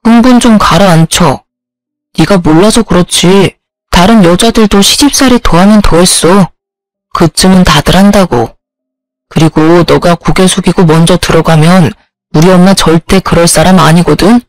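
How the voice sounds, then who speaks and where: Woman plays a low-voiced, offhand, selfish husband in a storybook drama, dry and close. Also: moderate pace, no echo, lightly acted. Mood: dismissive. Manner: curt, brushing off complaints. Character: dismissive husband, young adult man, self-centered.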